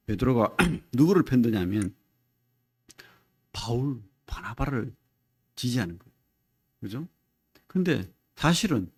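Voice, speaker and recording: A male pastor, preaching a Sunday sermon in a conversational way and often checking with the congregation by asking "right?". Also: mid-range voice. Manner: acts out voices of people in his stories.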